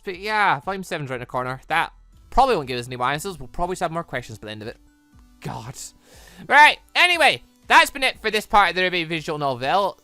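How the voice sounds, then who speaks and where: A man's voice: fairly high pitch, sharp tone, clean tone, no room sound. A young man doing casual game commentary, rambling and trailing off into nonsense syllables. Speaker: gaming channel host. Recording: music behind the voice.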